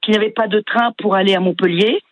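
An older woman from northern France with a northern French accent, calling in to a radio show, friendly and hesitant with many pauses. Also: medium pitch, steady tone, dry recording, highs cut off. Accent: northern French (Flemish area). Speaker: caller.

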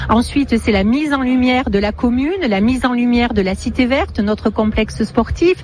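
A woman's voice: on the high side, normal speed, a little mellow, a little hiss or hum. A woman mayor answering a radio interviewer's questions in a composed, formal way. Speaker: town mayor.

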